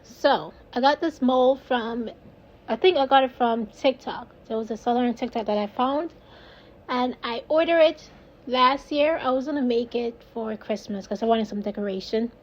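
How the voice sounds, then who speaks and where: A woman's voice: fairly high pitch, moderate pace, dull audio. A woman with a Jamaican accent casually narrating her own craft video, rambling and laughing at herself. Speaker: resin crafter, video host.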